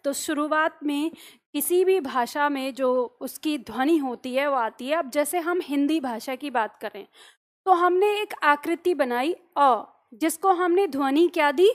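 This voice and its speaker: A high-voiced woman gives a grammar lesson at a measured pace, patiently explaining with simple everyday examples. She repeatedly asks her class questions and answers them herself.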